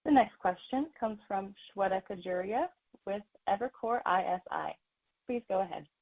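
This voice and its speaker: A woman's voice: mid-range voice, animated, moderate pace, creaky. A woman working as a conference call operator, making formulaic announcements of the next caller. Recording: tinny narrow phone line.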